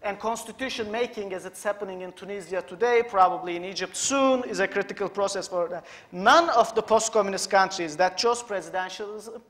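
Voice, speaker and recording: A man with as his gives a measured, halting conference lecture in a hall, with frequent fillers. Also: sits high, a bit bright. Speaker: academic lecturer.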